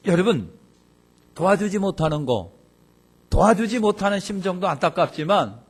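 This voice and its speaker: A man preaching a sermon as pastor. He swings between loud exclamations and quiet asides. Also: sing-song, normal speed, husky. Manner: acts out quoted speech in a lower voice.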